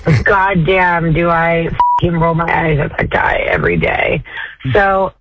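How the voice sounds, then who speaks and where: A woman with a low, raspy voice leaving a blunt, rambling, profane voicemail for a radio show. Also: unhurried, a bit bright, no echo. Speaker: voicemail caller. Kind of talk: phoned-in voicemail rant. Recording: dull lo-fi voicemail audio.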